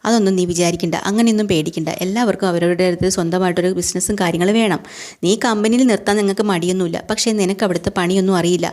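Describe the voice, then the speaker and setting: A woman voicing a middle-aged family man who persuades and reassures in a quick, everyday voice. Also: on the low side, steady tone, a little mellow, natural voice. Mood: reassuring.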